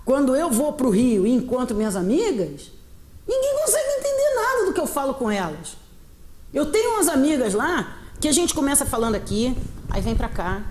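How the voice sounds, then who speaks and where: A middle-aged English teacher from Rio de Janeiro, Brazil, speaks with a Carioca Brazilian Portuguese accent as a guest in an animated interview chat. Her voice is high and the sound is roomy. She's expressive, acts out quoted dialogue, and laughs often.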